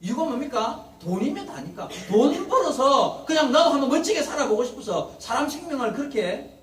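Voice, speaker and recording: Male pastor, high lively delivery, preaching from a distance in an echoey sanctuary with faint hiss. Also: a little fast. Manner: animated preaching, acting out Bible figures' lines. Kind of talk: Sunday morning sermon. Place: church sanctuary. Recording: roomy church echo, mic at a distance, faint hiss.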